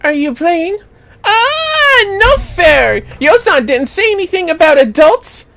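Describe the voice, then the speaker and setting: High, timid, pouty small child. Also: very animated, takes it slowly, vocal fry, bright, forceful tone, heavily acted.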